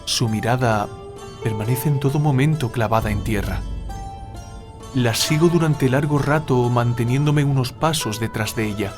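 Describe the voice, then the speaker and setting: A man playing a troubled writer haunted by nightmares, confiding in a measured, literary way, as in an audio drama. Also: medium pitch, close to an everyday voice. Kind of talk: audio drama monologue, narrating a dream.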